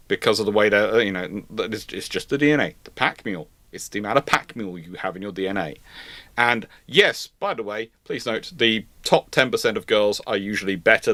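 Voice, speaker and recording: A man with a bright, forceful voice in a dry, close recording. He talks in a casual panel style, emphatic and rambling, often circling back to rephrase his point. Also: medium pitch, dry recording. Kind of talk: casual live panel chat.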